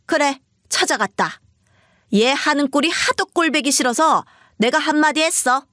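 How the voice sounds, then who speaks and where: A woman voicing a pushy, shrill older mother-in-law who scolds and wails indignantly. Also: animated, normal speed, a bit bright, dry recording, studio quality. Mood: scolding.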